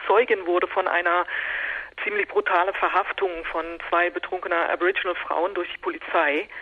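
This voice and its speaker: Her intonation monotone and flat, a woman speaks at a medium pitch. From Netherlands. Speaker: activist. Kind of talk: interview. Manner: hesitant with fillers.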